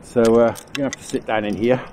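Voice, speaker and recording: A man's voice: medium pitch, fairly even intonation, moderate pace, darkish tone. Congested man chatting on a windy riverbank. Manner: chatty, rambling, chuckles often. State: congested from a cold, nasal. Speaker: angling vlogger. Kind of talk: casual on-the-spot commentary. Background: faint wind noise.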